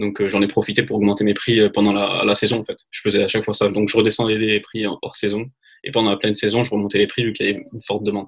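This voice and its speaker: A man's fairly low, monotone voice at a very fast pace, with flat intonation. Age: 20s. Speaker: accountant and Amazon seller. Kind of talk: interview. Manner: hesitant, many fillers.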